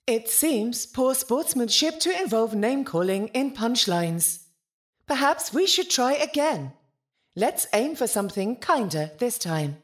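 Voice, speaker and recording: A woman's voice: on the high side, very animated, unhurried. A woman voicing a polite, literal-minded spaceship artificial intelligence in an audio drama, speaking formally and precisely. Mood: formal, earnest.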